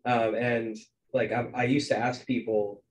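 A man's voice: mid-range voice, flat delivery, a little slow, slight background noise, low-quality recording. A man in his twenties hosting a podcast, musing aloud in a hesitant, filler-heavy way. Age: 20s. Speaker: podcast host. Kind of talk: casual podcast conversation.

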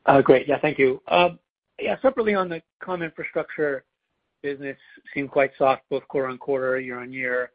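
A man's voice: medium pitch, fairly even intonation, a little fast. A man calling in as an analyst, asking a question on an earnings call. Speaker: analyst caller. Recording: dull, lo-fi call audio.

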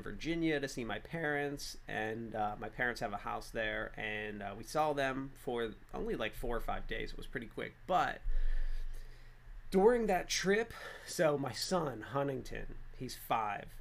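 Chatty man with a gravelly voice. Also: medium pitch, a bit bright. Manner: chatty, many fillers and restarts. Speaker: vlogger. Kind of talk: casual rambling vlog.

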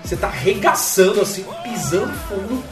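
A man's voice: high voice, sing-song, fairly quick, reverberant, distant mic, over music. A man co-hosting a casual podcast, a games journalist joking and chatting.

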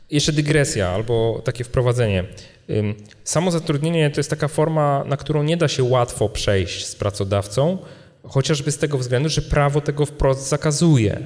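A man answers questions in an informal talk, wandering into asides and checking in with short tag questions. His medium-pitched voice rings through a hall with long reverb. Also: darkish tone. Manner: digressive, often adds tag questions. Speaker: speaker answering audience questions. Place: event hall at a live meetup.

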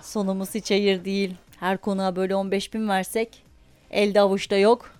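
A young woman hosting a podcast, telling a story in a chatty, animated way and laughing often. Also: medium pitch, brisk. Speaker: podcast host. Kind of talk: casual storytelling monologue.

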